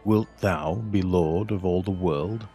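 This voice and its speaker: An actor playing a scheming, bitter pirate captain in a Shakespearean audio drama, speaking with deliberate insistence. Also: male voice, low voice, warm tone, faint music behind. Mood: insistent, tempting. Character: scheming, bitter pirate captain urging treachery on his lord.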